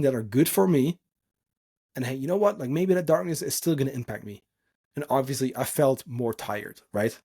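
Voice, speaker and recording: A man's voice: fairly high pitch, mellow, breathy edge. A man from the Netherlands, a native Dutch speaker, hosting a solo podcast and coaching in an informal, earnest, emphatic and unscripted way.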